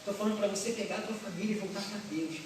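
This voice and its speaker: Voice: medium pitch, steady tone, racing, recorded from a distance, background noise. A pastor preaching a passionate sermon, emphatic and repetitive, firing rhetorical questions at the congregation. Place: large echoey church hall. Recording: echoey hall, recorded from afar.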